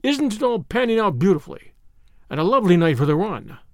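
A man's voice: sits high, sing-song, fairly quick, a little mellow, dry recording, studio quality. A man voicing a young American who threatens cheerfully and cockily in a drawl, in storybook dialogue. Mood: breezy satisfaction. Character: cocky, menacing young American man with revolver. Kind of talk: dramatised audiobook dialogue.

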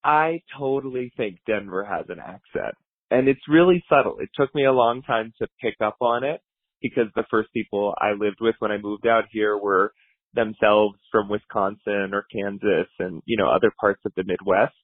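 A man's voice: lowish voice, moderate pace, no echo. Friendly man on a tinny phone line. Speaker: caller. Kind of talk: voicemail message.

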